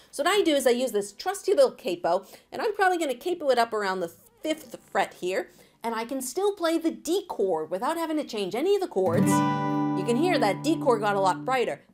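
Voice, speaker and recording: Upbeat alto lady teaching guitar at home, kinda high voice, guitar strumming right under her. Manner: upbeat, encouraging, talks straight to camera. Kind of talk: guitar lesson, talking and singing along. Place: home studio room, indoors. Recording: acoustic guitar playing under the voice.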